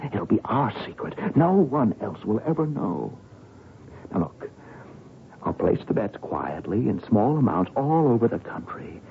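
An actor playing a manipulative, wheedling gambler in an old radio drama, coaxing and stammering. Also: male voice, lowish voice, sing-song, unhurried, gravelly, a little hiss or hum, exaggerated voice. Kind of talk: 1940s radio acting. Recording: tinny old radio broadcast.

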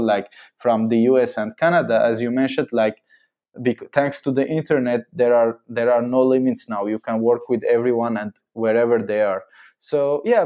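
Mellow man. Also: mid-range voice. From Syria. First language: Armenian and Arabic. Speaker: podcast guest, marketing agency founder. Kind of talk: casual conversational interview answers.

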